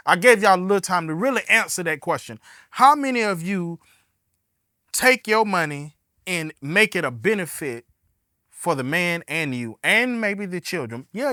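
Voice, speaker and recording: A man with a high, forceful voice and a Southern Black American accent hosts a casual podcast. He speaks folksily and directly to his audience, putting questions to them as he goes. The recording is dry and close, with music in it. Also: no echo. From Alabama, US. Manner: folksy, direct address with rhetorical questions and endearments like "baby". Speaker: podcast host.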